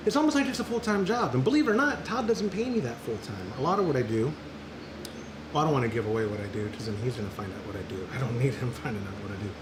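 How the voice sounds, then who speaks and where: Chatty man with a lively voice. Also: mid-range voice, fast talker. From Central Texas. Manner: chatty, joking, rambling asides. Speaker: homebrew show host. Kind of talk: casual live-stream chat while brewing. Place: brewing area with flies around. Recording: echoey with loud background noise.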